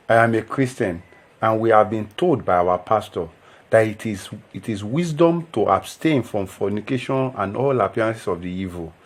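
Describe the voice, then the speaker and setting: A man as a preachy young Christian, low voice. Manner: preachy, pleading. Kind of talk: film drama acting.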